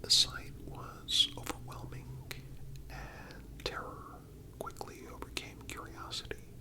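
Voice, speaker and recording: A man whispering a scripted story as an ASMR host, in a measured, deliberate way with pauses. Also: pushed and bright.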